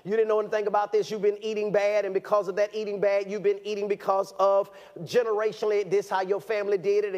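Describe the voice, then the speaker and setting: Fervent male preacher with a very high-pitched voice. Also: darkish tone. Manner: exhorting, repeats phrases for emphasis; fervent, insistent. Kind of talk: sermon to a congregation.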